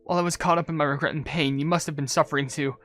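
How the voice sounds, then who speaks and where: A woman's voice: sits low, fairly even intonation, very fast, a bit bright, soft background music. A woman voicing a guilty, self-blaming young female oracle in a game cutscene, speaking in a subdued, earnest way. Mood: apologetic, resolved. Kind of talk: video game cutscene voice acting.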